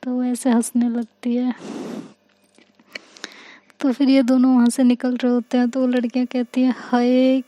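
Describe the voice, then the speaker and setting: Speaking slowly and pausing often, a woman with a fairly high voice and an Indian accent retells a love story in a relaxed, conversational style. She brings the characters' lines to life by voicing them herself, and the recording is dry.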